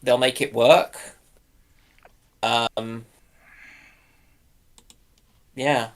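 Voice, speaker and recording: A man speaking as a panel guest in a casual discussion, halting and tentative as he gives his opinion. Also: medium pitch, steady tone.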